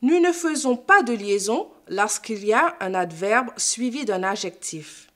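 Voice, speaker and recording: A woman's voice: on the high side, animated. A woman teacher giving a scripted lesson, explaining carefully and didactically. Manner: slow, careful, didactic delivery. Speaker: French teacher.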